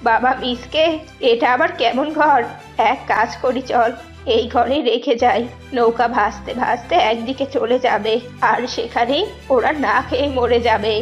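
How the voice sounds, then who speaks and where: Woman voicing a cruel, bossy high-pitched mother-in-law fox. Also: measured pace, close to an everyday voice. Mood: scheming. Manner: scolding, domineering. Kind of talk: children's cartoon story voice acting. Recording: dull lo-fi audio over music.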